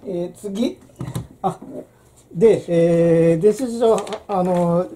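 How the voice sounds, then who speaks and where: A woman's voice: fairly low pitch, very slow, dark tone, slight background noise. A middle-aged woman, hosting a casual handwriting lesson and rambling with many fillers and restarts. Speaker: channel host.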